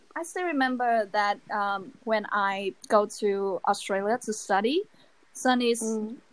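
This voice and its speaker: A woman speaks in a Vietnamese accent at a fairly high pitch. Her pace is fairly slow, with ordinary pitch variation. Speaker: university student. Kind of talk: casual chat.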